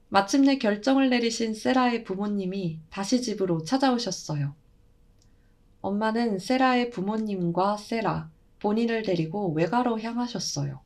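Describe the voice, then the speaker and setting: A woman's voice: medium pitch, a little mellow. Woman reading a horror story. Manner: conversational, adds own asides.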